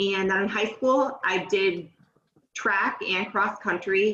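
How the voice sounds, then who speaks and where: A woman at a medium pitch takes a fairly slow pace, her pitch varying in an ordinary way. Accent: American. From Massachusetts North Shore. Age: 20s. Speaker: strongwoman athlete. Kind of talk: interview.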